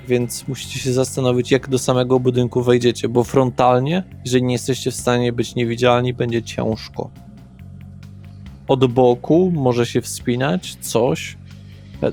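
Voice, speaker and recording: A man's voice: mid-range voice, darkish tone. A man narrating a tabletop roleplaying session as game master, explaining things in a conversational way. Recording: background music with guitar. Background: guitar music.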